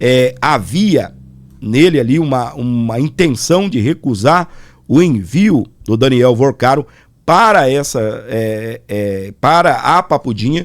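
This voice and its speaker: The speech comes at a very slow pace with lively intonation. The recording is very clean with a silent background. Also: man, medium pitch for a man. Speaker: radio commentator. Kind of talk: live political commentary. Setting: radio studio. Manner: halting, many fillers.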